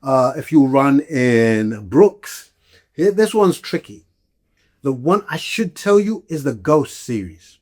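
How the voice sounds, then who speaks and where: A man's voice: mid-range voice, sing-song, takes it slowly. A man from Malawi talking casually and explanatorily as a podcast host, emphatic and often checking in with the listener. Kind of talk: casual explanatory talk to listeners about gear.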